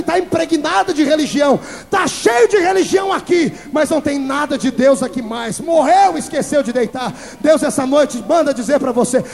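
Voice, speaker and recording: A Brazilian man preaching a fiery Pentecostal sermon as pastor, shouting at the congregation and then dropping to low, intense tones. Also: creaky. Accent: Brazilian Portuguese. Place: large church. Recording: long hall echo, old VHS tape.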